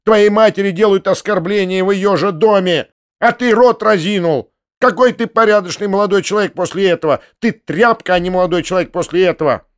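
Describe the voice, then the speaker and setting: A man's voice: high-pitched, a little fast, pitched above the performer's own voice, lightly acted. A man reading an audiobook, voicing a furious middle-aged noblewoman who scolds and shrieks. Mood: indignant. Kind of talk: audiobook character voice.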